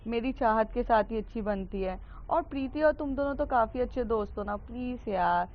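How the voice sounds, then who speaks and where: A woman's voice: fairly high pitch, moderate pace, dull audio, natural voice. A woman voicing Aastha, a bossy teenage schoolgirl who teases her friends, in a near-natural voice. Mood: teasing. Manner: bossy, teasing.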